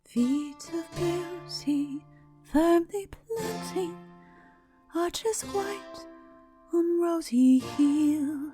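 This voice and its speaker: A woman singing verse as part of a dramatic audiobook, with gentle guitar music behind. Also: extremely high pitch, extremely slow. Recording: music under the voice.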